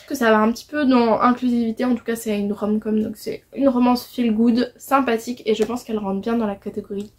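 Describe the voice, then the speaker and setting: A woman's voice: on the high side, darkish tone. A young woman from France chatting casually about her reading list as a book vlogger, with many hesitations and restarts. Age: young adult. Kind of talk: casual book haul chat.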